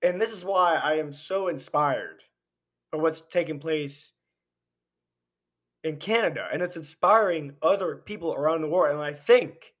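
A man's voice: fairly high pitch, unhurried, a bit bright. A man hosting a podcast, giving an impassioned political monologue full of rhetorical questions while he is losing his voice. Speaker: podcast host. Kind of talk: opinionated political commentary monologue.

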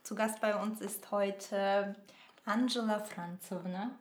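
A woman's voice: medium pitch, fairly even intonation, slow, roomy sound. A woman co-hosting a podcast who introduces the guest in a friendly, admiring way. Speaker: podcast co-host. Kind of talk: casual interview.

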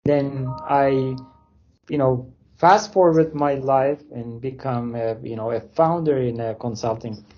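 A man's voice: medium pitch, unhurried, dull audio, slight background noise. A man from Turkey speaking English, answering interview questions casually with loose phrasing and many fillers. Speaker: interview guest, company founder.

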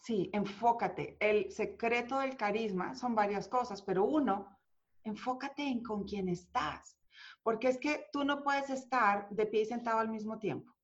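A woman guest speaking about charisma, emphatic and deliberate, counting off her points. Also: fairly high pitch. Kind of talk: motivational interview talk. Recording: slightly dull lo-fi sound.

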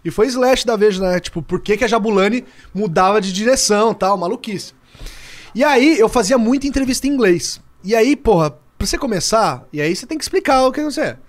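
A Brazilian man in his thirties, a sports journalist guest on a podcast, telling stories in a lively, casual way and swearing freely. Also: high-pitched, brisk. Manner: lively storyteller, swears casually, acts out dialogue.

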